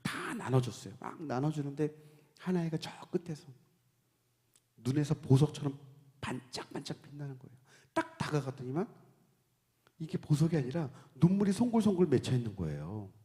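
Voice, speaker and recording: A man, a church deacon, telling a personal testimony in church, dropping to hushed low passages and then rising in sudden emotional outbursts. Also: animated, moderate pace. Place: church sanctuary with long reverb. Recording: long church hall reverb.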